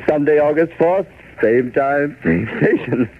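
Old time radio announcer guy, highish voice, polished salesy delivery, really thin 40s broadcast sound. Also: measured pace, slight background noise. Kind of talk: 1940s old radio announcer delivery with scripted sponsor pitch. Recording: tinny, band-limited 1940s radio recording.

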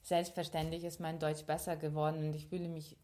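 A young woman from Ukraine talks in a relaxed podcast chat, her voice sitting on the low side. She reflects as she goes, pausing on fillers and restarting sentences. Ukrainian is her first language. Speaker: podcast co-host. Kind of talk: casual conversation.

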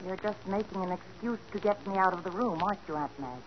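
An actress playing a suspicious, sharp-tongued young niece in a 1940s radio drama with a dull, hissy sound. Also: female voice, medium pitch, fast talker, lightly acted. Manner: accusing, pressing.

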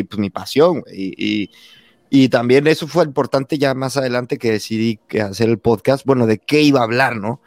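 A Mexican man in his thirties, a podcast host telling his story in a relaxed chat, acting out quoted lines with lively voices. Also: medium pitch, no echo. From Mexico, San Luis Potosí. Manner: animated, acts out quoted dialogue, says güey constantly. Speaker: podcast host being interviewed. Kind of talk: casual conversation.

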